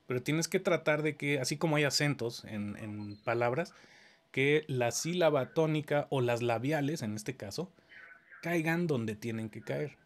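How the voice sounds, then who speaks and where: Man explaining dubbing. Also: mid-range voice. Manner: patient, explanatory, asks checking questions. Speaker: audio engineering teacher. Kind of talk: casual conversation explaining dubbing work.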